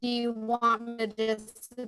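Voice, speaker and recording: A woman's voice: a little high, monotone, slow, bright, forceful tone, smooth, dry recording, soft background music. A woman speaking formally in a public meeting over a remote connection, her audio breaking up and cutting out, with many restarts. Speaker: city budget staff member.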